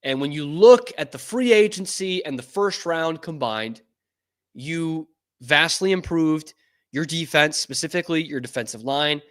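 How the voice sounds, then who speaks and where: A man from New England hosting a sports show, talking casually and getting excitable and profane. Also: fairly high pitch, measured pace.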